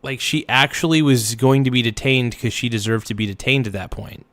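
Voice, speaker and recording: A man hosting a casual livestream reaction, his voice worn hoarse, rambling and loudly thanking donors. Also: mid-range voice, brisk, dry recording. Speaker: livestream host.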